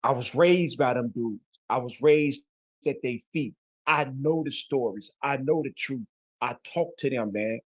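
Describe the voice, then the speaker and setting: A man's voice: medium pitch, a little slow, no room sound, lo-fi sound. A man from Chicago with a Chicago accent, a guest in an interview who talks bluntly and emphatically in street slang. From Chicago, USA. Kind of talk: casual interview talk.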